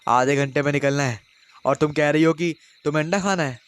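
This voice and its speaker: A man's voice: fairly high pitch, a little fast, smooth, close to an everyday voice. A man voicing an irritated young husband who scolds and insists. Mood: scolding.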